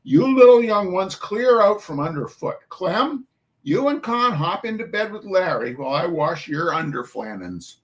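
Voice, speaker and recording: A man's voice: sits high, sing-song, voice pushed up. A man voicing a bustling, bossy mother of a big poor family, with an attempted urban Irish dialect. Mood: brisk. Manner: brisk, ordering people about. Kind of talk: storybook reading.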